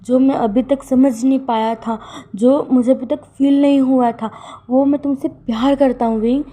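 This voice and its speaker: A woman voicing a devoted young man gently pleading for his partner's forgiveness in a fan fiction story. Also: high voice, steady tone, moderate pace, pitched above the performer's own voice. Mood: earnest.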